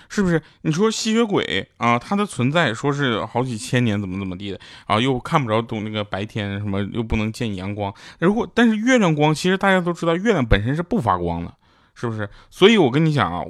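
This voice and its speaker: A man's voice: medium pitch, no room sound, studio quality. A man hosting a comic talk show, teasing his listeners and laughing at his own punchlines. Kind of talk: comic chat with listener stories.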